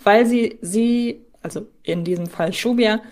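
Woman hosting a conversational podcast, medium pitch. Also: a little slow, a little mellow. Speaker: podcast host.

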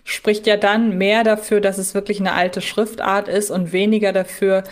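A woman's voice: medium pitch, flat delivery, normal speed. A woman co-hosting a podcast, reasoning aloud and raising questions in a casual, analytical chat. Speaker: podcast co-host.

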